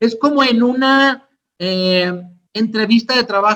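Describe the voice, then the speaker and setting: A man speaks with a northern Mexican accent. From northern Mexico. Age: 60s. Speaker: public speaking instructor. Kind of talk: online lecture. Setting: online class.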